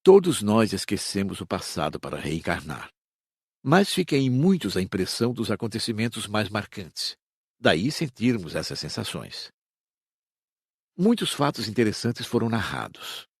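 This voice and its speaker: Audiobook man as didactic teacher, husky voice with lively melody, measured phrasing, close dry recording. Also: lowish voice, no room sound, heavily acted. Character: male spirit teacher explaining reincarnation calmly. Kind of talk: scripted audiobook narration.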